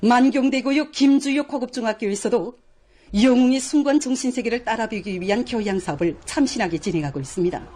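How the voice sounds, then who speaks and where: A woman announcer delivers state television news in a North Korean accent. Her voice sits fairly high, and she declaims the formal script with solemn reverence. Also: fast talker, warm tone, a little hiss or hum.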